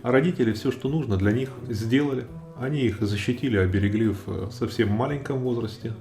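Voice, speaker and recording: A man giving a calm, explanatory nature commentary. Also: mid-range voice, brisk. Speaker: narrator of a nature video. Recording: roomy echo, faint music behind.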